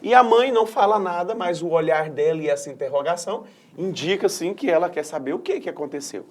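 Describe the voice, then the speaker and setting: A man's voice: a little high, lively intonation, a little fast. Brazilian male teacher explaining punctuation. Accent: Brazilian Portuguese. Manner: explanatory, frequent tag questions. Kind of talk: recorded adult-education lesson.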